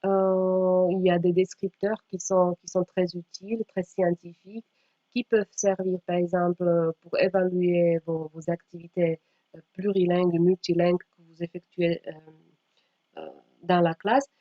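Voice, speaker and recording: Her voice is fairly low and level in tone as she, a teacher trainer, talks through a slide presentation with halting delivery, many pauses and some reading aloud. The room sounds echoey and the recording dull.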